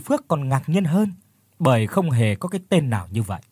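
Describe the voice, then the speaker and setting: Expressive, husky male audiobook narrator. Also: medium pitch, a little fast, dry recording, studio quality. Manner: expressive storytelling.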